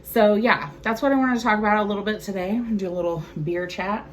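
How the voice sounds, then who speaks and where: A woman's voice: mid-range voice, fairly even intonation, brisk, slight background noise. A woman in her forties hosting a cooking vlog, chatting candidly and casually to the camera in a conversational way. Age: 40s.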